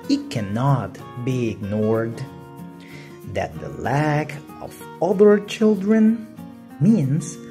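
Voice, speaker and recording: A woman reading a children's story aloud with deliberate, expressive and dramatic phrasing. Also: a bass voice, faint music behind. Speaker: storybook reader.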